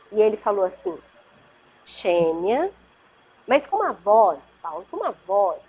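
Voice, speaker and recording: Casting: Brazilian woman, slightly high and airy, storytelling guest, muffled call audio. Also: a little mellow, husky. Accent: Brazilian Portuguese. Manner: earnest, vivid, checks in with the listener often. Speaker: interview guest. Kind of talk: conversational storytelling. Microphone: video call.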